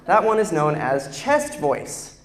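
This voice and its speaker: A young woman with a strikingly low contralto voice performs a stand-up routine, self-deprecating and full of little restarts. Her lapel mic picks her up in a roomy hall with a long reverb tail. A faint ambience sits behind her. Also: sing-song, slow pace, a faint crowd, slight background noise. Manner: self-deprecating, chatty, with frequent fillers and restarts. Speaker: stand-up comedian. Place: live stage in a hall.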